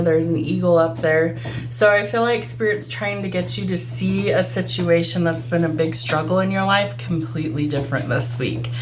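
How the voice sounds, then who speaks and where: A woman fighting a cold, her voice stuffy and congested and a little low. She talks through a tarot reading in a relaxed, conversational way, thinking aloud as she goes. Her voice now and then fades in and out from the cold, and a faint hum sits behind her. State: voice cutting in and out. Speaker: tarot reader. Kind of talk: casual collective tarot reading.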